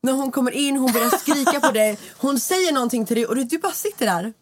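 Excited woman retelling a scene. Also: high-pitched, noisy background. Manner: retells scenes excitedly, says "girl" in English. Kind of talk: casual chat.

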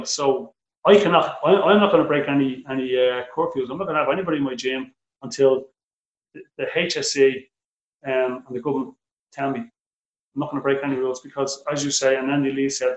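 Irish boxing coach in an echoey room. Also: male voice, mid-range voice, lo-fi sound. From Ireland. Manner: animated, repeats words when starting sentences. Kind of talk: interview answers.

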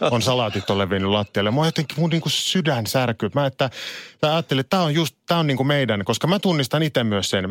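A man co-hosting a casual morning radio chat, telling stories in an animated way and acting out other people's thoughts. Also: fairly low pitch, no echo, clean studio sound. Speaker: radio co-host. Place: radio studio.

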